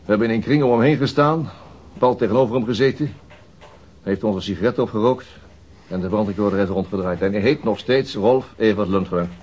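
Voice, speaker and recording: An actor playing a mild-mannered senior police detective in a radio drama, dry and understated. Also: male voice, fairly low pitch, a little fast, darkish tone, breathy edge. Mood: weary, exasperated. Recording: muffled, noisy old radio drama recording.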